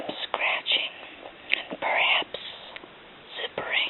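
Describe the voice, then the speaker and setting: A woman is whispering against noticeable background noise. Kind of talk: ASMR whispered show-and-tell. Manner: whispered.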